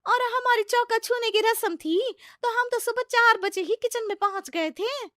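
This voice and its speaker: A woman voicing a boastful young daughter-in-law with a high, smug voice. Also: normal speed, fairly bright tone, no echo, studio quality.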